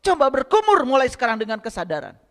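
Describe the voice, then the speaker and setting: A man's voice: very high-pitched, huge pitch swings, fast, in a large hall. A man giving a spiritual lecture to a congregation, often asking them rhetorical questions and speaking to them directly. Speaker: religious lecturer.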